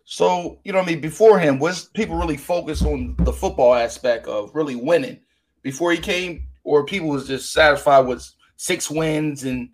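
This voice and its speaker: A man hosts a laid-back podcast, his voice pitched a little high. He rambles through his questions and keeps tagging on "you know what I mean.". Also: moderate pace, low-quality recording. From Maryland, near Baltimore. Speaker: podcast host. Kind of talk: casual podcast interview.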